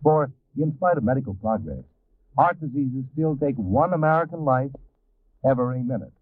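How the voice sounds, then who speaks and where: A man's voice: medium pitch, expressive, moderate pace, no room sound. A man delivering scripted announcements in an old-time radio announcer's style. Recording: dry, tinny old radio recording.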